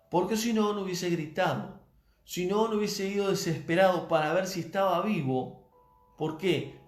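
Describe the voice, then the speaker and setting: Slow, emphatic male preacher in an echoey room. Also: on the high side. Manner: measured, emphatic preaching with repeated phrases. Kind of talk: sermon.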